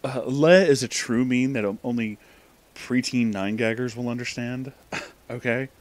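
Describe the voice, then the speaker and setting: A man's voice: mid-range voice, steady tone, moderate pace, no room sound. A man narrating a comic story aloud in a dramatic reading style, as the show's reader.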